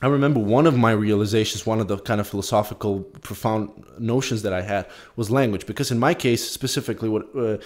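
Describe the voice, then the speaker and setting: A young man from Bulgaria whose first language is Polish, co-hosting a casual podcast and telling a story with lots of gestures, restarts and swearing, recorded on a boom mic in a small room at home. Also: quick pace, hardly any pauses. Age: young adult. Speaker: podcast co-host. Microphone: studio mic on a boom, headphones.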